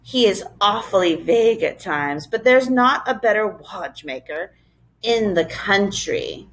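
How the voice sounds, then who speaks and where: Woman reading the kindly Proc, brisk and confiding. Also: medium pitch, expressive, lightly acted, low-quality recording.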